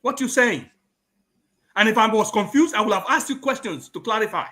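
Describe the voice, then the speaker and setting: His voice sits high and sounds bright and forceful, animated and a little fast. As a guest in a political talk show discussion, this Nigerian man with a Yoruba accent talks emphatically, shifting between Yoruba and English.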